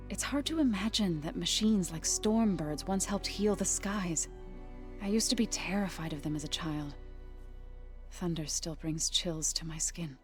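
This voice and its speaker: A woman playing a gentle, devout tribal healer in a game cutscene, measured and earnest with formal phrasing. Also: fairly low pitch, close to an everyday voice. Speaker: video game companion character. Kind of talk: naturalistic game cutscene acting. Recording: music behind the voice.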